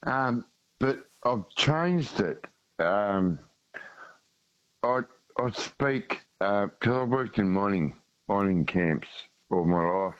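A man with a broad Tasmanian Australian accent, calling in to a radio show and talking in a slow, halting way with many fillers. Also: lowish voice, animated. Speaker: caller. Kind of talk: casual call-in chat. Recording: dull lo-fi phone line.

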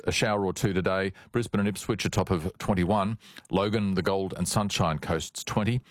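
Australian man reading radio news, very deep voice, dry close studio sound. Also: dry recording. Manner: measured and formal. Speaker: newsreader. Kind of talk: scripted news and weather reading.

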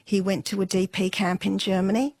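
Middle-aged woman, unhurried storytelling, soft laughs, fillers, dry close mic. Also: medium pitch, flat delivery, no echo. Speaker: interview guest. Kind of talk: relaxed storytelling interview.

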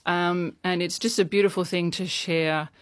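A woman's voice: fairly low pitch, fairly even intonation, moderate pace, dry recording. A woman describes her arts project and its haptic vests. She talks it through loosely, with plenty of "um"s, in a mid-range voice. The sound is dry and close. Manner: explanatory, with frequent fillers. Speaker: music project producer.

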